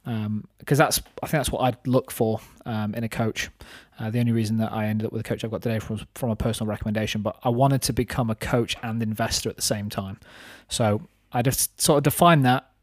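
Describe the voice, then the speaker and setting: A man's voice: lowish voice, steady tone, fairly quick, few pauses, no echo, clean studio sound. A man of thirty chatting casually on a podcast in a reflective, rambling way, explaining his own thinking. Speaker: podcast host and business owner.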